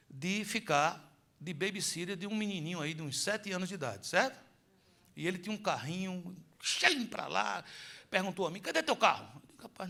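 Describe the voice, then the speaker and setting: Animated pastor with gravelly highs. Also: male voice. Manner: animated preaching, quizzing the congregation with rhetorical questions, storytelling. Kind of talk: sermon.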